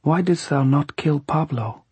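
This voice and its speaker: A man's voice: a little high, very animated, moderate pace, darkish tone, breathy edge, no room sound, voice pushed up, full character voice. A man voicing a tipsy, mocking gypsy guerrilla in an audiobook novel, urging insistently in stilted old-fashioned phrases. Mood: urgent, questioning.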